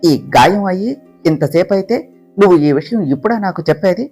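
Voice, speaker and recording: A storyteller voicing a tender, anxious young husband in an audiobook romance, speaking softly and earnestly. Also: medium pitch, animated, fairly quick, faint music behind, natural voice.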